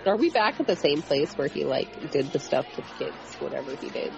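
A man's voice: on the high side, sing-song, a little fast, vocal fry, over music. A man co-hosting a movie podcast who asks questions about the film and chats candidly. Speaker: podcast co-host. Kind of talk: casual movie riff chat. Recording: dull lo-fi audio with film playing.

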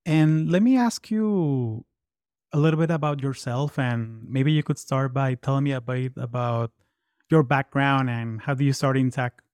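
A man's voice: medium pitch, moderate pace, a little mellow, clear, resonant tone, no room sound. A man hosting a podcast, giving upbeat announcements and interviewing a guest in a friendly, conversational way. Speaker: podcast host.

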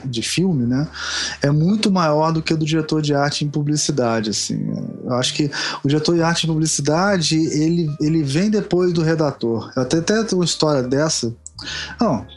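A man spins a long anecdote in casual chat, jumping into the voices of the people in it and laughing as he goes. His voice sits a little high. Faint music plays behind him. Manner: animated storyteller, acts out quotes, laughs often, profanity.

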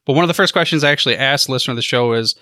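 A male podcast host in his thirties with a bright, crisp, smooth voice. His sound is dry and close, and he chats casually with an easy laugh. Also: medium pitch, no room sound. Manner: chatty, quick to laugh along. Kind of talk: casual interview chat.

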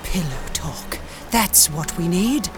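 An actress playing a suspicious, commanding boss who runs spies. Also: female voice, on the low side, animated, takes it slowly, over music. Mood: scheming. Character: scheming female spymaster boss.

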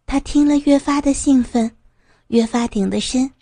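A woman narrating a first-person adult audio story in an intimate, breathy manner. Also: sits high, normal speed, mellow, no echo.

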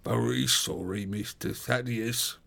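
A man voicing a gruff, stubborn, distrustful prizefighter porter who talks in loud working-class dialect, in a storybook reading. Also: mid-range voice, slow pace, heavily acted. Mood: suspicious, stubborn.

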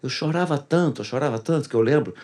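Husky man telling his testimony. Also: mid-range voice, fast, darkish tone. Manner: earnest storyteller who repeats phrases for emphasis. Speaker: pastor. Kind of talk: personal testimony in a casual interview.

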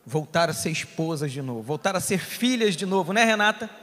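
A pastor telling a story to his congregation, animated, going from loud bursts to hushed tones. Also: a little high, fast. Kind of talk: sermon storytelling. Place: church. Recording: long hall reverb.

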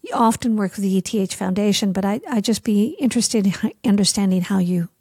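A woman hosting an interview podcast, speaking in an attentive, measured way as she puts questions and addresses listeners. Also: medium pitch, a little mellow, breathy edge, no echo, studio quality.

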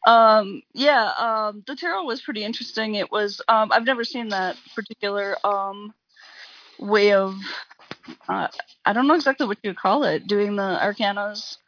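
A woman chatting casually about a film, halting and full of ums. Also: mid-range voice, no echo, muffled recording. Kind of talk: casual movie discussion.

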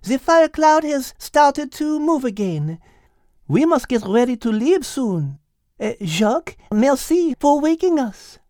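A polite, clever little female animal leader with a French accent, acted by a woman for a children's story. She is high-voiced and takes charge daintily, with lively swoops in pitch and a close, dry sound. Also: slow, no room sound, heavily acted. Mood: brisk, polite.

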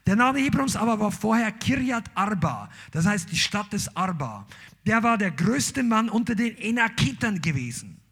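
A man's voice: very high-pitched, pushed and bright, breathy edge. A man preaching a sermon as a pastor, emphatic and exclaiming.

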